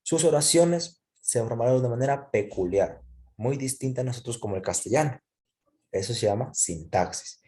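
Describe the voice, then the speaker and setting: A man's voice: medium pitch, animated, moderate pace, mellow. A man teaching a class, explaining step by step and often checking in with his listeners. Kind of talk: classroom lecture.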